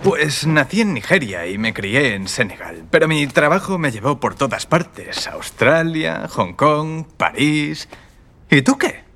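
A man's voice: fairly high pitch, sing-song, a little slow, bright, forceful tone, heavily acted. A man dubbing an anxious, earnest young ethics professor in a dubbed TV comedy, talking in a hesitant, fussy way. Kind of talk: Spanish TV comedy dub.

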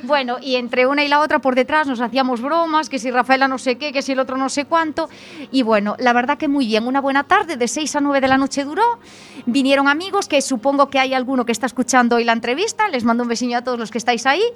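A young woman, a guest on a radio chat, telling stories in a lively way and acting out other voices. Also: high-pitched, quick pace. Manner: lively storyteller, acts out voices. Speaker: event presenter, guest. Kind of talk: casual radio interview.

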